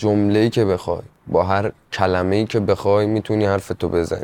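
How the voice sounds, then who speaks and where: In an ordinary speaking voice, a man speaks at a moderate pace and a fairly low pitch. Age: young. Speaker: rapper. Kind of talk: interview. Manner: casual slangy.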